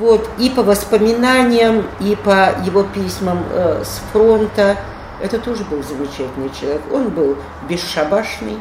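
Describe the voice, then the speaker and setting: A woman speaks at a fairly slow pace with lively intonation. The room echoes audibly. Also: medium pitch for a woman. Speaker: screenwriter. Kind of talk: interview.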